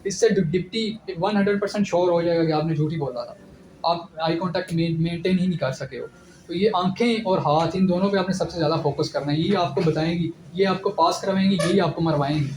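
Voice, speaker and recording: A young man with a high voice gives direct, instructive pointers in an informal lecture. The room rings with echo, and a steady background noise sits clearly under his voice. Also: a little fast. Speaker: ISSB candidate giving advice.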